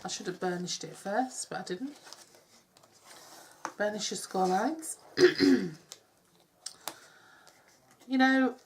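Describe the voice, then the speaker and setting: A middle-aged woman with a cold, chatting her way through a craft demonstration with soft, self-deprecating asides. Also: mid-range voice, animated, takes it slowly, creaky, pauses often, a little hiss or hum. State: congested with a cold. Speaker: craft tutorial host. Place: home craft table. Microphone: overhead camera on hands, speaker off-screen.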